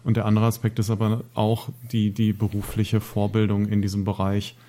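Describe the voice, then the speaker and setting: A man's voice: on the low side, monotone, moderate pace, warm tone. A man hosting a podcast, talking in long winding sentences with many hesitations. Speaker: podcast host. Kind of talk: casual podcast conversation.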